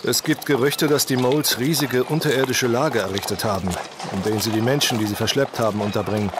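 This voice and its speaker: An actor playing an upright, resolute and kindly English gentleman in an audio drama. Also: medium pitch, fairly even intonation, quick pace, heavy background noise, close to an everyday voice. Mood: grave, resolute.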